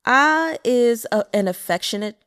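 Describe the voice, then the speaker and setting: A woman's voice: on the high side, expressive, a little slow, fairly bright tone, clean tone, dry recording, studio quality. A woman giving casual, chatty commentary as an audiobook narrator, explaining Mandarin terms. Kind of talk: casual commentary between chapters.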